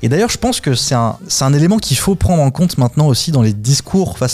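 This man's speech is somewhat breathy, fairly quick and full of lively intonation. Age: 30s. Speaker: podcast host and public speaking trainer. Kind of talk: casual chat.

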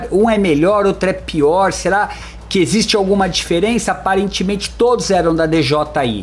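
Through noticeable background noise, a man with a high pitch talks at a moderate pace. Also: ordinary pitch variation, very even loudness. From Santos, Brazil. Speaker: podcast co-host. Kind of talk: casual chat.

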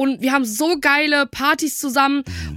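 Projecting her voice with a bright, sharp tone, a woman speaks high-pitched at a moderate pace with fairly even intonation, on a very clean recording with a silent background. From Cologne, western Germany. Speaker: podcaster and social media creator. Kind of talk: casual chat.

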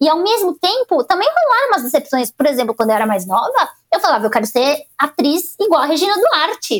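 At a fairly quick pace, a woman speaks in a high pitch with very wide pitch swings and very even loudness, in a dry, close sound with no echo. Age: 30s. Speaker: comedian and screenwriter. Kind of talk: casual chat.

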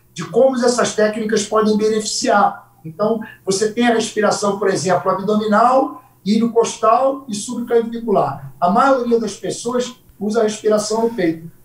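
There is noticeable background noise as a man speaks fairly slowly at a high pitch with ordinary pitch variation. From Brazil, Rio de Janeiro suburb. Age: 60s. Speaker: jiu-jitsu master and fitness coach. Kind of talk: interview, casual chat.

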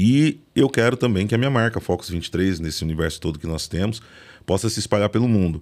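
A man with a plain, everyday voice, fairly low in pitch, at a fairly quick pace with lively intonation, on a very clean recording with a silent background. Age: 40s. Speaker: podcast host and fighter. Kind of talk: interview testimony.

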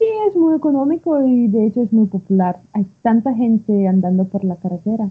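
A woman talks in a fairly high voice with lively intonation. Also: moderate pace. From Russia (Tolyatti). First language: Russian (speaking Spanish). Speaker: journalist. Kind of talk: interview.

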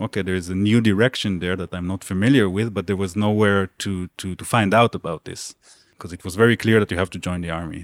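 With an Israeli accent, a man talks in a very deep, low voice with ordinary pitch variation, on a very clean recording with a silent background. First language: Hebrew. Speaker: graffiti artist. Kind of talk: interview. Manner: halting.

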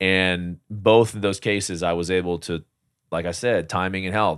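A man speaks with a Southern US accent and a very deep, low pitch. The background is quiet. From US South. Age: 30s. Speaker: professional baseball pitcher. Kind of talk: casual interview. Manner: loud.

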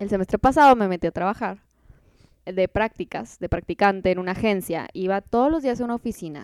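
Recorded very cleanly against a silent background with a dry, close sound and no echo, a woman speaks at a medium pitch with ordinary pitch variation. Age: 20s. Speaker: university student podcaster. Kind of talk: casual chat.

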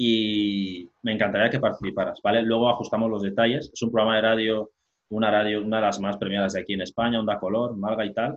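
Very fast and monotone, a man speaks in a fairly low, flat voice. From Equatorial Guinea, Bata. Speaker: podcast host. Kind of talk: interview conversation. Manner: hesitant, many fillers.

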